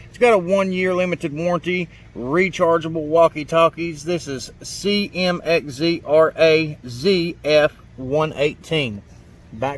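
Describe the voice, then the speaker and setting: Folksy man reviewing gear over background noise. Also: a little high. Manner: plain-spoken, folksy, rambling explanations. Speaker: product reviewer and repairman. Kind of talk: casual hands-on product review.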